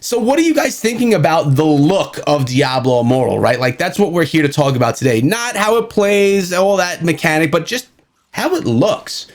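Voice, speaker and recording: A man's voice: on the high side, expressive, moderate pace. A man hosting a gaming video with casual, chatty commentary aimed straight at viewers. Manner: chatty, addresses viewers directly.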